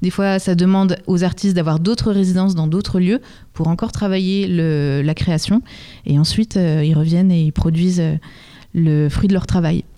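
A woman's voice: on the low side, steady tone, moderate pace, mellow. A woman answering as an interview guest for a music venue, explaining things in a conversational, welcoming way.

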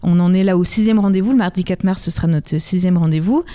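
A woman's voice: on the low side, quick pace, warm tone, smooth. A woman answering as an interview guest for a music venue, explaining things in a conversational, welcoming way.

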